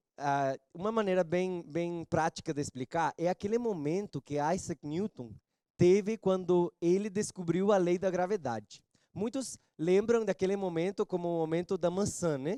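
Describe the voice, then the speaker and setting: With a Mexican accent, a man speaks at a moderate pace in a high pitch with ordinary pitch variation and a dark, mellow tone, in a dry, close sound with no echo. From Mexico. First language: Spanish (speaking Portuguese). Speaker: teacher. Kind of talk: TV talk show interview. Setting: TV studio with teen audience. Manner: halting.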